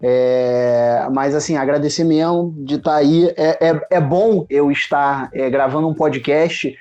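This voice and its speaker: A man's voice: a little high, steady tone, takes it slowly, a little mellow. A man from Rio de Janeiro with a Carioca accent, talking casually as a podcast guest in informal Rio street slang, recorded on a phone. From Rio de Janeiro, Brazil. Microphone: mobile phone. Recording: muffled phone recording with music behind. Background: music.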